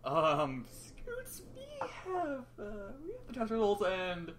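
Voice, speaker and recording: A nervous female pony nurse from a storybook, as an amateur reader puts her on, speaks in a raised, swooping pitch. She halts and hesitates as if dreading what she must say, with some background noise. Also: huge pitch swings. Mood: nervous, reluctant. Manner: hesitant, halting.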